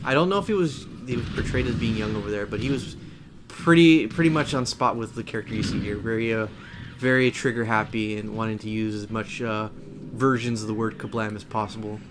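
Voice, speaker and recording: A man hosting casual game commentary, speaking haltingly and often repeating words. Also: on the low side, fairly even intonation, noisy background. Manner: halting, repeats words, chuckles through remarks. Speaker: gameplay video host.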